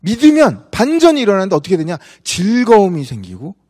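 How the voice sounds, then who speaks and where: Male pastor, high and lively voice, conversational sermon, long church reverb. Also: fairly quick. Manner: animated, conversational preaching with rhetorical questions. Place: church sanctuary.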